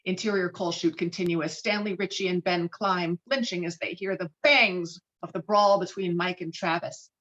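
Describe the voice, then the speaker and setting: A woman's voice: lowish voice, steady tone, moderate pace, few pauses, fairly bright tone. Woman reading screenplay directions, lo-fi audio. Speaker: stage directions reader at a table read. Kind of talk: dramatic screenplay narration. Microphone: video call.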